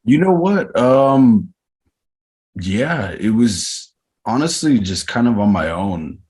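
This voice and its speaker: Deep-voiced man in his thirties, reflective. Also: sing-song, darkish tone, slightly rough. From Arizona, USA. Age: 30s. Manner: reflective, unhurried, frequent hesitations. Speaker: podcast guest. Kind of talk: casual interview chat.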